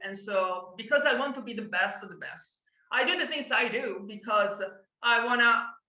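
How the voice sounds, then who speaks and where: A high-pitched woman with an Italian accent at a moderate pace, with lively intonation, big swings in loudness, and audible room echo. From Italy. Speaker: space engineer and scientist. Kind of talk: interview. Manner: halting, many fillers and restarts.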